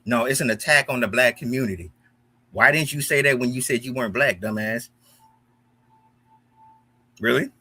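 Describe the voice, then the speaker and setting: A man's voice: mid-range voice, moderate pace, pauses often, pushed and bright, breathy edge. An American man giving heated, profane reaction commentary with an African American accent, repeating himself as he gets worked up. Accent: African American English. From United States. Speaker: commentary host.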